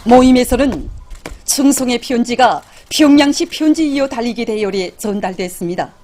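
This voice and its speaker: A woman's voice: on the high side, normal speed, a little mellow, slight background noise. A woman with a North Korean accent reading scripted television news in a solemn, formal, declamatory manner. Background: music under the narration.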